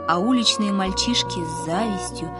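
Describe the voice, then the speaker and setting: A woman narrating a Christian children's story in a calm, unhurried way. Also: medium pitch, over loud music.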